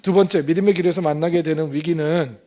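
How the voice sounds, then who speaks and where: A man's voice: fairly high pitch, fairly even intonation, quick pace, mellow. A male pastor preaching a sermon, asking the congregation pointed rhetorical questions with emphatic delivery.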